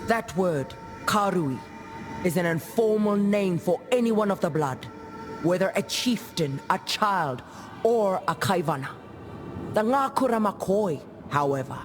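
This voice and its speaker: An actress playing a proud tribal warrior in a video game, explaining the culture in formal, declarative statements. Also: female voice, on the low side. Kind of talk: video game character lore monologue. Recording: music behind the voice.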